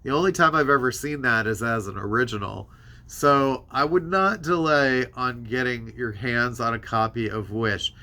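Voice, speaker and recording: A man with a bright, forward voice that sounds congested and a bit worn out. He talks like the host of a casual new-release show, rambling from item to item with offhand, self-deprecating asides. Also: mid-range voice, moderate pace. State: tired voice giving out. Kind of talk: casual rambling product rundown to camera.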